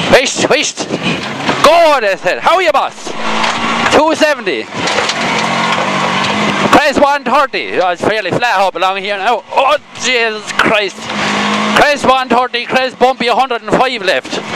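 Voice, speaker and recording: A man speaks in a strong rural Irish accent, leaving long, frequent pauses. The sound is dry with no echo, set against loud background noise. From Ireland. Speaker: rally co-driver. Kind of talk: reading pace notes in a rally car. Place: car. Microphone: helmet.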